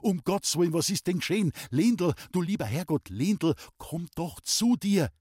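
A man's voice: medium pitch, animated, fairly quick, darkish tone, breathy edge, no room sound, studio quality. A man reading aloud voices an anxious, tender-hearted young mountaineer who murmurs and pleads in fear. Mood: frantic pleading.

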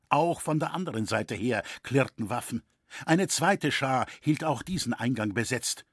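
A man reading a historical novel aloud in a measured storytelling manner. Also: medium pitch, breathy edge, no echo, clean studio sound. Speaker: reader. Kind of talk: audiobook reading.

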